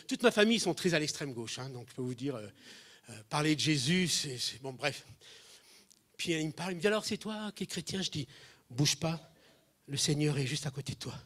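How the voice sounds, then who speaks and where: A man's voice: a little high, fairly quick. A man, preaching to a congregation and telling funny stories, acting out the voices of people he quotes. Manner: animated, acts out quoted voices, jumps in loudness. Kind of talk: humorous sermon storytelling.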